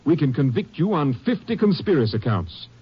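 Husky, commanding Ranger captain. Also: male voice, fairly high pitch, big pitch swings, normal speed, heavily acted. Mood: stern, sardonic. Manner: authoritative, emphatic, folksy. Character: commanding, dryly sardonic Texas Ranger captain. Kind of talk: 1950s old-time radio western acting. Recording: muffled vintage radio broadcast.

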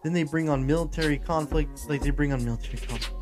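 A man's voice: on the high side, quick pace, music in the background. A man with an American accent hosting a show, giving informal, rambling commentary with emphatic points. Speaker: podcast host. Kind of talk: casual commentary to listeners.

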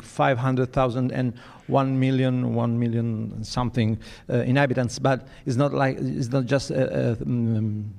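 A man from Italy with an Italian accent, speaking on a panel in a halting way, with many restarts and fillers. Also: medium pitch, a little mellow. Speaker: development agency panelist. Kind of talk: panel discussion.

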